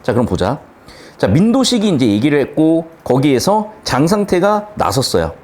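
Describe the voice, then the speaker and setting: A man lectures on literature to exam students in a blunt, animated way, sprinkling in slang and curses. His voice sits a bit high and leaps up and down dramatically as he talks. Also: normal speed. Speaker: Korean language teacher.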